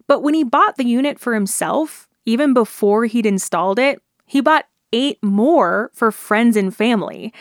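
A woman's voice: a little high, dry recording, clean studio sound. Woman reporter narrating a radio feature.

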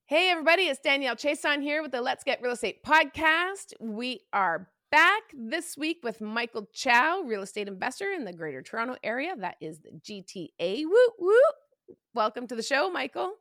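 A woman hosting a podcast interview, excitable and chatty, with lots of fillers and restarts. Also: sits high, normal speed, dry recording, studio quality. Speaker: podcast host. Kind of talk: casual interview chat.

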